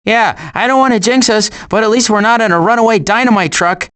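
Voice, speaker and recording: An actor voicing a cocky, wisecracking animal adventurer in an animated video game, with a breezy, glib delivery. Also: male voice, sits high, brisk. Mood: playful.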